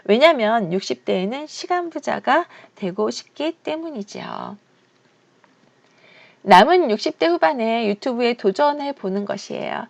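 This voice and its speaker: A woman in her fifties, talking through a personal vlog with earnest reflection and the odd question to her viewers. Her voice sits a little high, with plenty of gravel and lively rises and falls. The recording has a dull, lo-fi sound. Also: a little slow. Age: 50s. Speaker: real estate auction instructor and YouTuber.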